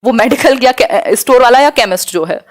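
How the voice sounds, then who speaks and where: A woman's voice: on the high side, animated, normal speed. Woman teaching an exam-prep lecture. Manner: explanatory, checks in with listeners often; spells out and repeats key terms.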